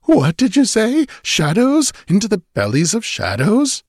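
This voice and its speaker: A male narrator plays a dreamy man of a lost city in a fantasy audiobook. His voice sits high and drawls through florid, archaic phrases. He is sensuous and detached, quick to panic, and recorded close and dry. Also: wildly swooping pitch, a little mellow, no room sound, full character voice. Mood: startled, fearful.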